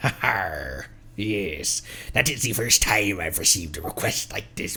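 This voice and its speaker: Over clear background noise, a man uses a raspy, put-on character voice at a fairly low pitch and a fairly slow pace. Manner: hammy, exaggerated.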